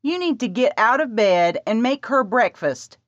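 A woman voicing an excitable, bossy younger sister who talks in quick bursts. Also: fairly high pitch, dry recording, pitched above the performer's own voice, natural voice. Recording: slightly dull dry recording.

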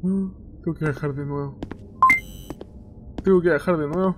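A man's voice: fairly high pitch, fairly even intonation, normal speed, heavy background noise. A young man with a Chilean accent giving let's play commentary on a horror game, swearing often and yelping in fright. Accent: Chilean Spanish. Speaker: gaming youtuber.

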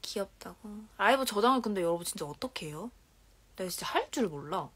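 Her mid-range voice is brisk, slightly rough, and lively in intonation. This young woman in her twenties, an idol livestream host with a Korean regional accent, chats casually from a dim bedroom and reads viewer comments aloud. She's soft-spoken, often dropping into whispers and giggles, and her phone is held at arm's length.

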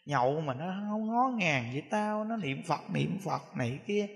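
A man with a southern Vietnamese accent voicing a resentful drunk middle-aged husband, muttering lower and quieter. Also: lively intonation, moderate pace, creaky. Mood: grumbling. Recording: echoey hall.

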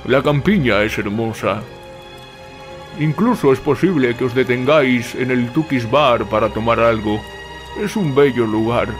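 A man playing an ominous local who warns travelers away, measured and foreboding, in an audio horror drama. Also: medium pitch, close to an everyday voice. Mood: ominous warning. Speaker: narrator character in an audio drama. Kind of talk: dramatic first-person storytelling. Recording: voice under loud music.

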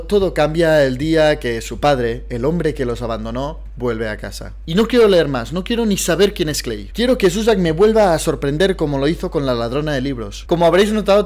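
Expressive young man, higher-pitched voice. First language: Catalan. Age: young adult. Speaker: book vlogger. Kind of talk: scripted book recommendations to camera. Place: small indoor room lined with bookshelves.

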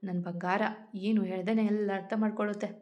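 A woman voicing a gentle, caring young wife who speaks softly and affectionately. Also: medium pitch, steady tone, fairly quick, dull audio, natural voice. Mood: teasing. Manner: soft, affectionate, apologetic.

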